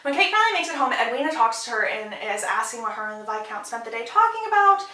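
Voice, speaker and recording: A young woman recapping a show in a lively, gossipy way, tossing in quick asides. Her voice sits a bit high. She sounds distant from the mic, in an echoey room. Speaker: host.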